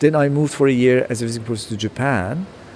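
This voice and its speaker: A man's medium-pitched voice with a Persian accent and lively intonation over noticeable background noise. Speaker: museum curator and anthropology professor. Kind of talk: interview. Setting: at the exhibition.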